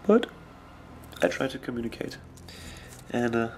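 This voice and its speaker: A young man with a German accent, a native German speaker, talking casually and hesitantly while he paints miniatures at his desk, often pausing to search for words. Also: mid-range voice, expressive, darkish tone, a little hiss or hum. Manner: slow, hesitant, searching for words with many ums.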